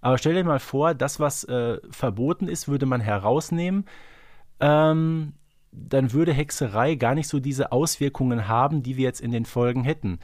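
A man with a mid-range, slightly mellow voice co-hosts a podcast at a moderate pace. The conversation is casual, and he often tacks little questions onto his remarks; the sound is clean studio audio with no room sound.

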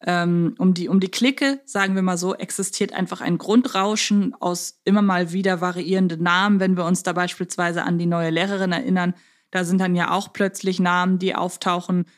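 A woman's voice: on the low side, steady tone, normal speed. A woman co-hosting a podcast, talking casually and conversationally, thinking aloud as she discusses a series. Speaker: podcast co-host.

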